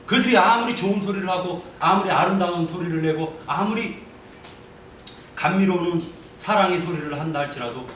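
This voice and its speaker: A man's voice: high voice, a little fast, a bit bright. A man giving a passionate church testimony, denouncing and growing angry as he speaks. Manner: vehement, denouncing, rising to anger. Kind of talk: impassioned testimony. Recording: echoey room, voice from far off, faint noise.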